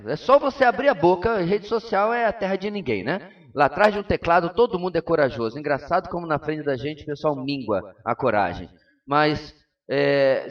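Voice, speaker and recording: Man, Brazilian Portuguese accent, pastor, teaching sermon, emphatic, rhetorical questions, fairly high voice. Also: distant mic, dull audio. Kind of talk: Sunday school teaching sermon.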